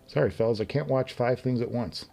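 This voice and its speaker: A man hosts a relaxed live stream from his home garage studio, mumbling to himself and laughing as he puts headphones together. His voice is medium-pitched, quick, and warm with some vocal fry, and faint music plays in the background.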